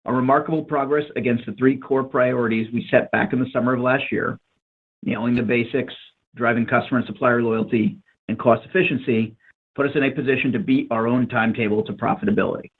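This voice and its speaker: Husky male chief executive on a phone line. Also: medium pitch, fairly even intonation, fast. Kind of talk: scripted earnings remarks. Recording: muffled narrowband phone line.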